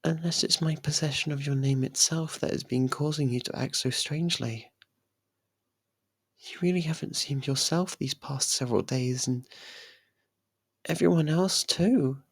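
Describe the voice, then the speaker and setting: A performer voicing a possessive, lovestruck young faerie royal in an intimate ASMR roleplay, speaking softly and haltingly. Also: mid-range voice, slightly rough, no echo. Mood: worried. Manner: hesitant, halting, soft and pleading.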